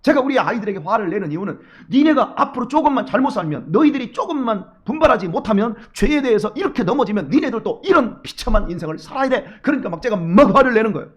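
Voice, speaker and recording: A middle-aged male pastor giving an early-morning sermon, speaking straight to his congregation with many rhetorical questions, dropping to quiet asides and rising to loud urging. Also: high voice, big pitch swings, fast talker, few pauses, slightly rough. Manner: emphatic, swings from hushed asides to loud exhortation.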